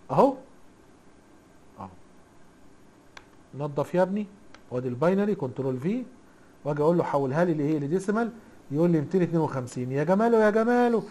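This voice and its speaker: Fast-talking Egyptian man teaching. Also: fairly high pitch. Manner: chatty, teasing, quizzes the class with rhetorical questions. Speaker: IT instructor. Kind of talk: casual recorded lesson.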